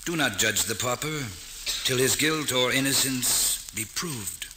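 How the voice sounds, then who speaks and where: A man's voice: medium pitch, lively intonation, unhurried, lightly acted. An actor playing a loyal, forthright nobleman, earnest and declamatory, with archaic speech in old radio drama style. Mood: admonishing. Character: loyal, forthright grown nobleman advising his young king. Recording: hissy old radio recording.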